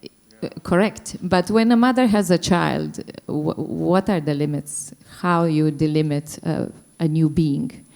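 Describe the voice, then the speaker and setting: A woman's voice: low voice, a little slow, creaky, darkish tone. A woman speaking on a discussion panel, thoughtful and hesitant, with many fillers. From Croatia. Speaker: panelist, dance company director.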